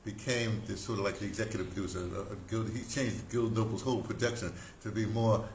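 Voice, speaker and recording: A man in his seventies telling stories informally, in a halting, digressive way with emphatic stresses. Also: lowish voice, fairly even intonation, darkish tone. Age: 70s. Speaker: audio dramatist recounting theater history. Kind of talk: informal rambling storytelling to camera. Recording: roomy echo, background noise.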